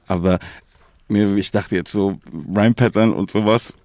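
Man, very low pitch, dry close sound, casual podcast talk, laid-back, colloquial. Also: fairly even intonation, moderate pace, a little mellow, no room sound. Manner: laid-back, colloquial, often tags phrases with "ne". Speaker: podcast co-host.

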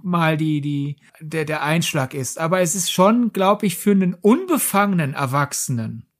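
A man's voice: a little high, animated, normal speed. Man chatting as a discursive podcast co-host. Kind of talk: casual film discussion.

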